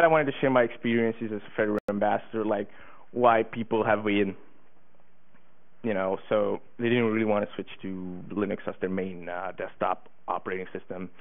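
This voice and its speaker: An eighteen-year-old man from Hungary giving a conference talk, eager, with many fillers and restarts. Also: fairly low pitch. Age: teens. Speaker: conference speaker. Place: conference room. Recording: tinny phone-like conference recording.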